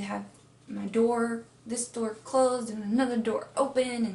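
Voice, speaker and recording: In a room with audible echo, a woman speaks at a moderate pace with a fairly high pitch and monotone, flat intonation. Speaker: vlogger. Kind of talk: personal vlog, venting. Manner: hesitant, many fillers; flat, detached. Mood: earnest, venting personal struggles. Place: home room. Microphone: webcam.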